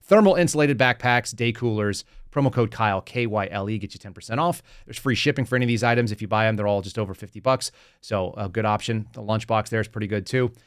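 A man's voice: lowish voice, fast, clear, resonant tone, no echo, clean studio sound. A man hosting a political podcast in a brash, casual way, reading ads and interviewing a guest. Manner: brash, casual, punchy ad reads. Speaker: podcast host.

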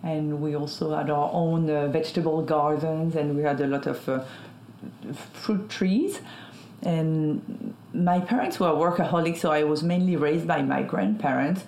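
A woman from France with a French accent and French as her first language, answering interview questions in an unhurried way and pausing with fillers to find words. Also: sits low, a little mellow, slight background noise. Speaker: guest, skincare founder. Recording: roomy echo.

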